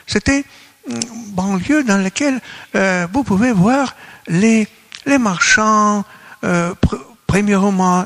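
A man from Russia with a Russian accent gives a conference lecture in non-native French, halting as he searches for words. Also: high voice, fairly bright tone. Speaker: academic speaker at a colloquium.

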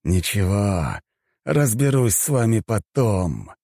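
A man voicing a bitter, power-hungry villain in an audiobook, speaking slowly through clenched teeth. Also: on the low side, expressive, darkish tone, no room sound, studio quality, pitched above the performer's own voice. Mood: resentful. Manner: slow, clenched, snarling delivery.

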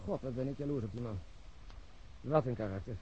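An actor playing a casual, wry police detective in a radio drama. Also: male voice, mid-range voice, fairly quick, natural voice. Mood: wry, amused. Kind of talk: naturalistic Dutch radio drama acting. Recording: muffled, loud car noise behind.

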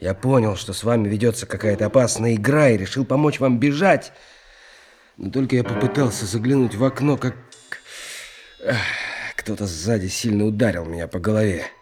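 An actor in an audio play voicing an earnest, gallant young unlucky artist who plays sleuth, telling his story theatrically with expressive pauses. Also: fairly low pitch, natural voice. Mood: eager recounting. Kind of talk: theatrical audio drama acting.

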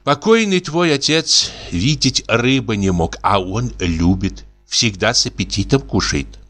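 A man's voice: lowish voice, animated, a little slow, fairly bright tone, faint music behind. A man reading aloud and voicing an elderly mother who frets, sighs and calls on God. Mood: fretful. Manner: sighing, fussing, prayerful exclamations. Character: fretful elderly mother, pious and doting.

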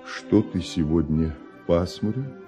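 An actor playing a brooding, envious composer in a radio verse tragedy, speaking in a solemn declamatory manner with weighty pauses. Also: male voice, sits low, expressive, dark tone, soft background music. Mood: feigned cheer. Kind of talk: theatrical verse monologue, classic Russian radio play.

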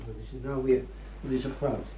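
A man's voice: medium pitch, fairly even intonation, fairly quick, crowd noise, lightly acted. An actor playing a baffled, grumbling father in a radio drama, querulous and hesitant. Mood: reluctant, confused. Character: baffled, grumbling father coaxed by his family. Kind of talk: naturalistic radio drama acting. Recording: dull radio-play recording, faint noise.

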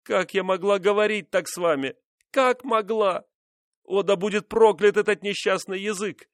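A man's voice: high voice, moderate pace, no room sound, studio quality, pitched above the performer's own voice, lightly acted. A man voicing a tearful, pleading royal mistress. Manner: pleading, exclamatory. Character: proud, tearful royal mistress, young woman.

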